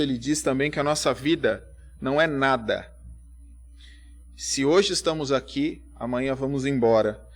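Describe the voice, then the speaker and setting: A preacher, his pitch sitting in an ordinary middle range. He talks to the congregation like a neighbour, asking question after question. He pushes up loud on key words, then sinks into near-murmured asides. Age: 30s. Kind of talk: church sermon.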